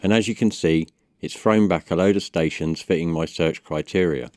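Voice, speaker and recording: A man with a low-pitched voice presents a step-by-step software guide. His delivery is measured and instructional. The sound is dry, with very little room in it. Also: dry recording. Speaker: tutorial presenter. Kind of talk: step-by-step software tutorial voice-over.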